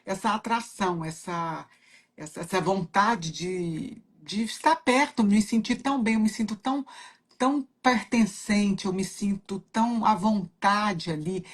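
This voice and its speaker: Uma mulher com sotaque brasileiro conta uma história pessoal de forma sentida, repetindo palavras para dar ênfase. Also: female voice, medium pitch, breathy edge. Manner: heartfelt storytelling, repeats words for emphasis. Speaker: trainer at a coaching company. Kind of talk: casual reflective talk.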